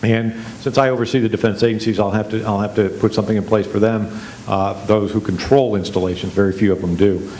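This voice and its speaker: Low-voiced facilities chief on a panel. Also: male voice, steady tone, fast, a little mellow, a little hiss or hum, low-quality recording. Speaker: head of facilities management office. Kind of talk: panel discussion answers.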